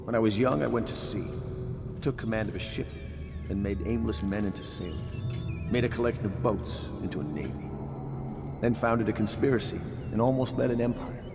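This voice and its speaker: An actor playing a proud, bitter naval admiral, middle-aged and guilt-ridden, in a grave, theatrical video game monologue. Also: male voice, lowish voice, a little fast, creaky. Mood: proud, embittered. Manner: brooding, grave, theatrical, resigned. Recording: long reverb, loud music over voice.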